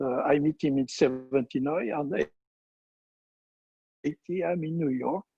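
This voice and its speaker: With a French accent, a man speaks at a fairly high pitch in a dark, mellow tone, the sound dry and close with no echo. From France, Orléans. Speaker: painter. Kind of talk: interview. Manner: halting.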